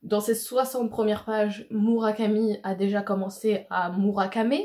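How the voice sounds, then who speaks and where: A woman's voice: mid-range voice, little pitch movement, normal speed, mellow. A woman in a casual vlog talking about books to camera in a chatty way, with lots of fillers and slang. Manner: chatty, full of fillers and slang, laughs often. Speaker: book vlogger.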